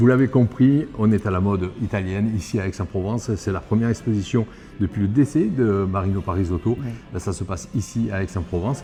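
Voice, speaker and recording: Over background music, a man with a fairly low voice talks at a fairly quick pace. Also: ordinary pitch variation. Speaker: event reporter, interviewer. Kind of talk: casual talk to camera.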